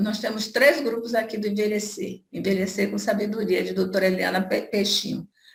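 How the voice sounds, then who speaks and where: Audible room echo surrounds a woman with a fairly high pitch and a somewhat breathy voice. She talks at a moderate pace. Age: 70s. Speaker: participant in online meeting. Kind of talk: question from audience in online meeting. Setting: video call.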